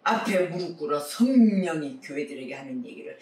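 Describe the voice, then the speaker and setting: A man's voice: a little high, expressive, a little fast, a little mellow, roomy sound, recorded from a distance. A man preaching a sermon as pastor, earnestly exhorting his congregation.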